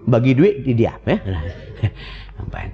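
A man with a Malaysian Malay accent preaching in a mosque prayer hall, animated and teasing, acting out little scenes with wives' voices. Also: medium pitch, measured pace, vocal fry, highs cut off. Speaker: religious preacher. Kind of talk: lively sermon.

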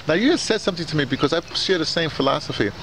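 A man's voice: on the high side, lively intonation, rapid-fire. A man interviewing someone in a casual, rambling way, often stammering and repeating words and phrases. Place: outdoors beside a building. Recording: noisy outdoor camera sound, urban ambience.

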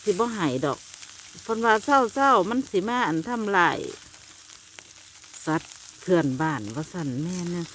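A woman with an Isan Thai accent talks in a rambling, friendly way straight to her viewers, her voice sitting a little low. She is recorded outdoors in a backyard, with a faint hiss of background noise behind her. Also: lively intonation, unhurried, pauses often, a bit bright. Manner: chatty, rambling, addresses viewers as brothers and sisters. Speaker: vlogger. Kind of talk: casual chat to viewers. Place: backyard outdoors by a charcoal grill.

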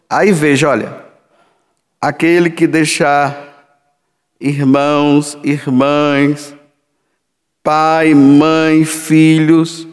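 Slow-preaching older priest in a reverberant church. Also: male voice, fairly high pitch. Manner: slow, storytelling, sweeping hand gestures. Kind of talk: homily. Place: large church sanctuary. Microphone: headset mic. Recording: long hall reverb.

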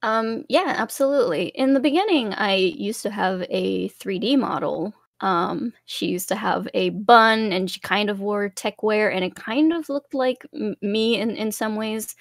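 A woman's voice: medium pitch, unhurried, creaky, hardly any pauses, no echo, studio quality. A woman chatting casually as an interview guest in a cute, bubbly streamer manner, rambling along.

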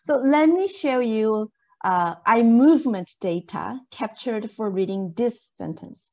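A woman's voice: a little high, animated, unhurried, dark tone, highs cut off. A woman lecturer giving an interactive online lesson in an encouraging way, checking understanding with questions. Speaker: university lecturer. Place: indoor video call.

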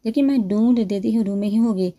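A woman voicing a shy, soft-spoken young wife in a storybook reading. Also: mid-range voice, close to an everyday voice.

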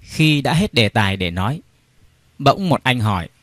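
A man's voice: mid-range voice, very animated, moderate pace, a bit bright, dry recording. A man reading short comic stories aloud, raising his voice for the characters in them. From Vietnam. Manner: puts on raised voices for characters in the jokes. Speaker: joke teller.

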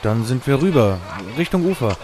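A man's voice: medium pitch, very animated, moderate pace, a little mellow, slight background noise, lightly acted. A man playing a nervous, hesitant hobby angler in a crime audio drama. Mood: rattled.

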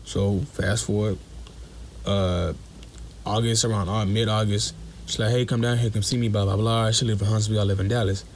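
Low-voiced young man telling a blunt story. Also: level tone, normal speed, a little hiss or hum. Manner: blunt and profane, acts out quoted dialogue. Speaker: listener sending a voice message. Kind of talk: casual storytelling.

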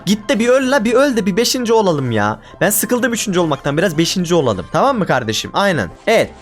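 A man giving casual commentary over his own gameplay, exasperated and ranting at his teammates. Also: sits high. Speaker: gaming YouTuber.

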